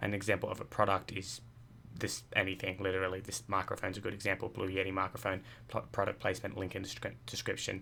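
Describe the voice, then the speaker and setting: Speaking at a very fast pace with an Australian accent, a man uses a fairly low pitch, ordinary pitch variation and vocal fry. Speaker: online money-making youtuber. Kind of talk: tutorial.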